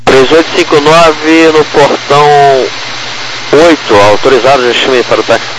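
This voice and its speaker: A man's voice: on the high side, moderate pace. A man with a Brazilian accent giving clipped ground control instructions over a crackly two-way radio. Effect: crackly two-way aviation radio. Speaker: airport ground controller giving taxi clearances. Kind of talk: clipped aviation radio phraseology. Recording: crackly, noisy air traffic radio.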